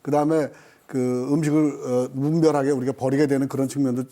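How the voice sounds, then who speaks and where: A man's voice: mid-range voice, level tone, fast, dark tone. A middle-aged man, a professor, giving conversational commentary as a guest on a current affairs panel. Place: broadcast studio.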